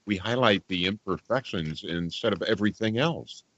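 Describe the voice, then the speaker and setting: A man's voice: fairly low pitch, normal speed. A man chatting casually and reflectively as a conversation partner in a spiritual discussion. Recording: quiet, muffled, roomy, distant-sounding.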